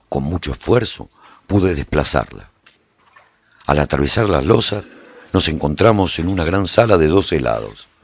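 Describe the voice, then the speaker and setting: Deep husky dramatic warrior-narrator. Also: male voice, no room sound, heavily acted. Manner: intense, theatrical. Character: weary male sword-wielding warrior narrating a post-apocalyptic adventure. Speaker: narrator and protagonist. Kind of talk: dramatic first-person radio drama narration.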